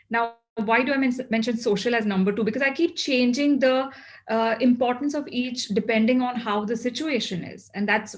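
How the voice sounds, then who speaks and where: A woman with a South Asian accent speaks in a fairly high voice as she gives a motivational talk. She is instructive, setting out points and putting questions to her listeners that she then answers. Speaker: well-being speaker addressing a group.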